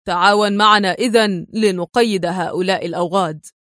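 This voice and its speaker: A woman voicing a stern, sharp-witted Arab agent man who talks in a curt, firm way. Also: high-pitched, brisk, no room sound, studio quality.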